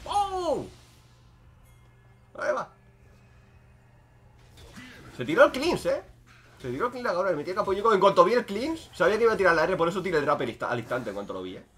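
A young man talks over his gameplay in a casual, joking way. His voice sits a touch high for a man and leaps around a lot, from loud sudden outbursts down to quiet muttering asides. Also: big pitch swings, fast talker, long pauses, faint music behind. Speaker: gaming streamer.

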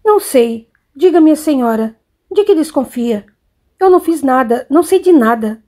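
A sulky, restless young son in an audiobook, voiced by a woman reader, giving curt, defensive answers in a somewhat high, warm voice. He sounds bored and on edge. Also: lively intonation, normal speed. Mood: irritated.

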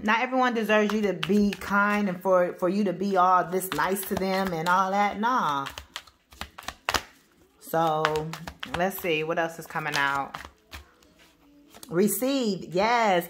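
A woman with AAVE speech giving a spiritual reading to camera, loud and powerful, blunt and emphatic, cursing freely and restarting her sentences. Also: mid-range voice, slight background noise. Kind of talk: casual spoken reading to camera.

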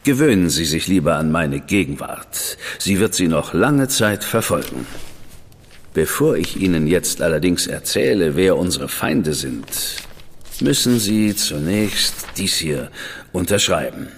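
An actor playing a cool, arrogant government official who speaks in a measured, superior, quietly threatening way. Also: male voice, low-pitched, big pitch swings, big-room sound, a little hiss or hum, full character voice. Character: cool, arrogant high official, man, middle-aged. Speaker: government official recruiting an investigator. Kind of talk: radio play acting.

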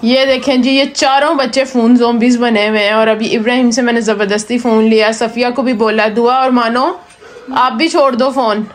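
A woman's voice: a little high, steady tone, normal speed. A woman in her thirties narrating a family vlog at home, chatty and casual, mixing in English phrases. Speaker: family vlogger.

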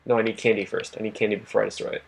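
A young man with a husky, worn voice that he is losing, giving casual gameplay commentary, swearing and talking to himself. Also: lowish voice, level tone, very fast. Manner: swears a lot, laughs often, talks to himself. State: losing his voice. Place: home at night.

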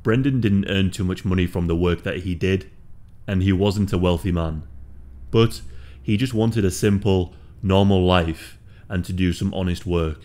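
A man reading a scripted true crime story in a steady, solemn manner. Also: deep voice, moderate pace.

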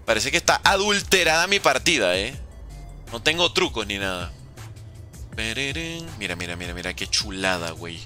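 A man's voice: lowish voice, sing-song, moderate pace, sharp tone, soft background music. A man streaming a video game, chatting casually with jokes and slang and answering his viewers' messages. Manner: playful, joking, slangy, reading chat aloud. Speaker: gaming streamer. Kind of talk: casual livestream commentary.

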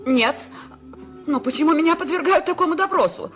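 Frantic bedridden lady, demanding, slightly high voice, music underneath. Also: lively intonation, fairly quick, fairly bright tone. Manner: panicky, insistent, breaking into whispers. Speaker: Mrs. Stevenson. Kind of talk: 1970s radio play acting. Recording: radio play with background music.

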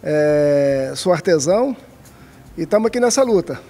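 Hesitant man with a gravelly voice. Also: on the high side, lively intonation, measured pace, mellow. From Brazil, Minas Gerais. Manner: hesitant, many fillers and restarts. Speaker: woodcarving artisan, guest. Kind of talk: casual interview answers. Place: craft shop, indoors. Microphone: handheld mic held by interviewer.

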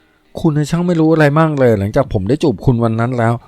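A man voicing a confident, womanizing young man, speaking slowly and smoothly. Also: a little high, lively intonation, mellow, dry recording, close to an everyday voice. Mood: smooth charming.

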